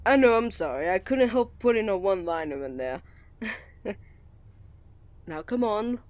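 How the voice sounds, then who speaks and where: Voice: mid-range voice, lively intonation, a little slow, a little mellow, no room sound, close to an everyday voice. A voice actor playing a shy, flustered male college student in love, stammering, earnest and courteous, in a romantic ASMR roleplay. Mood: teasing, affectionate. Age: young adult.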